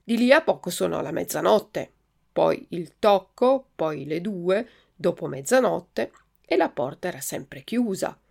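A woman narrating a children's story aloud in an expressive, lively way. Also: fairly low pitch, a little slow, gravelly. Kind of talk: storybook reading.

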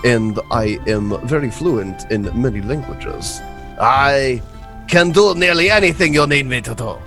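Tabletop role-play: a man plays a giant bearded circus performer, proud and showy, loud, with a gravelly edge. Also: medium pitch, measured pace, faint music behind. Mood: boastful. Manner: proud, showy self-introduction. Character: big bearded male circus performer, boastful.

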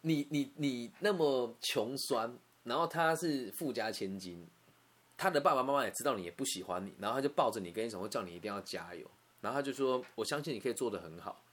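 A man's voice: medium pitch, expressive, fast talker. A young man from Taiwan with a Taiwanese Mandarin accent, telling a personal story in an emotional, conversational way. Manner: emotional, conversational, repeats words and asks "you know?".

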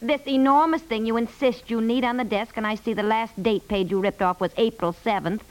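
Actress as an exasperated high-voiced 1950s housewife. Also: female voice, fairly even intonation, brisk, natural voice, low-quality recording. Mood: indignant, exasperated. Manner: scolding, emphatic, wry. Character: exasperated housewife and new mother, wry and fussy. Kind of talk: 1950s radio domestic comedy acting. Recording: slightly aged 1950s radio recording.

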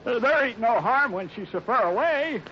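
A high-pitched, folksy old cowhand from a 1950s radio western. He sputters and stalls in rustic, ungrammatical talk, flustered and cowardly. The recording is muffled with faint noise. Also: lively intonation, moderate pace.

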